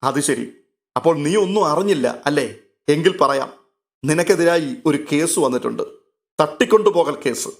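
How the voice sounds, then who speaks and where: A man's voice: on the high side, expressive, normal speed. A man doing a stern, mocking police inspector. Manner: gruff, sarcastic.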